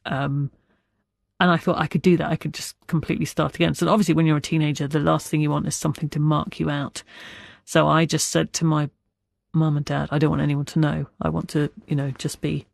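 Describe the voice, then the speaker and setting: A middle-aged writer from Wales speaks as an interview guest, his delivery halting with a stammer and frequent restarts. His voice sits a little high for a man and has a gravelly fry to it, recorded close and dry. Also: level tone, dry recording. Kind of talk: reflective interview talk.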